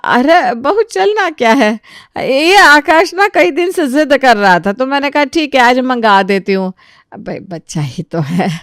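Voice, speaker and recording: A woman voicing a bossy elderly grandmother who scolds and hushes her grandson in a storybook tale. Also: high voice, lively intonation, unhurried, clear, resonant tone, no room sound, studio quality, pitched above the performer's own voice, heavily acted. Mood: defensive. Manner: bossy, hushing, sharp scolding. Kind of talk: storybook voice acting.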